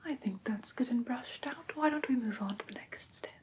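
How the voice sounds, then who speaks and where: A woman playing a gentle, prim vampire teacher in whispered ASMR roleplay, breathy and careful, close to the microphone. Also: fairly high pitch, moderate pace, a little hiss or hum, lightly acted. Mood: gentle, instructive. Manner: soft, careful, instructive, politely formal. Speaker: ASMR performer.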